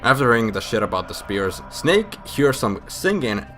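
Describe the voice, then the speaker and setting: A man's voice: mid-range voice, big pitch swings, normal speed, bright, forceful tone, faint music behind. A man sounding drunk, telling a story casually with crude, sarcastic, profane and rambling asides. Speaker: host of a comic video game storyline recap.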